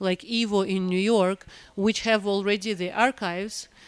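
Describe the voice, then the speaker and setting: A woman's medium-pitched voice with fairly even intonation, in a dry recording with no echo. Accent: Russian. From Russia. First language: Russian. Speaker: museum board chair. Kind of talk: interview. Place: hall. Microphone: handheld.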